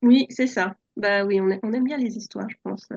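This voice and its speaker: A soft-spoken woman in her forties, born in France, telling her story as an interview guest with many hesitations. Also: medium pitch, normal speed, gravelly, slightly rough, muffled recording. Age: 40s. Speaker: podcast guest. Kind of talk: relaxed personal interview.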